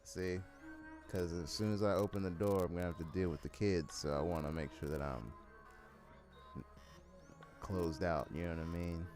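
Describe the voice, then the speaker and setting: A man's voice: deep voice, fairly even intonation, moderate pace, long pauses. A man hosting a casual solo podcast, rambling and repeating himself in a stoned way. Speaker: podcast host. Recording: music playing behind the voice. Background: music.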